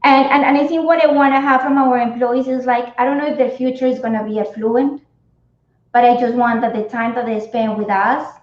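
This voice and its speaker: A woman's voice: a little high, fairly even intonation, brisk. A woman from Colombia, an HR guest answering interview questions earnestly, often restarting and repeating words. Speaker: cannabis company HR guest. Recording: echoey, dull remote audio.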